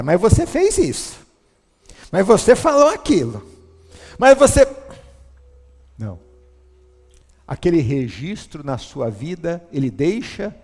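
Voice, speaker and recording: A male pastor preaching a sermon, urging his congregation and swinging from loud to soft. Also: a little high, long reverb tail.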